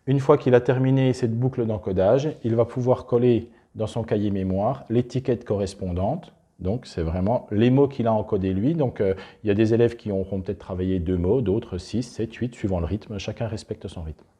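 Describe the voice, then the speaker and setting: Man, lowish husky voice, deep dark tone, talking through a hands-on classroom demo. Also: normal speed, hardly any pauses. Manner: unscripted, restarts, talks while handling materials. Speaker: presenter demonstrating a teaching method. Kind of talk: explanatory demonstration.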